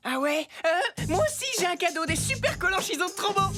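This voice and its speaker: A cocky young superheroine, cheeky and pleased with herself. Her voice sits high, and loud cartoon music plays behind her. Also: lively intonation, fairly quick. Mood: competitive. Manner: cheeky, self-satisfied. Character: teen superheroine, cocky and showy.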